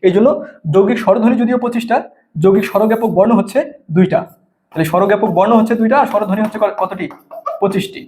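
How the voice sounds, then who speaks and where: A man's voice: high voice, steady tone, quick pace, a little mellow, a little hiss or hum. A man teaching a grammar class, explaining step by step and answering his own questions. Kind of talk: grammar lesson lecture.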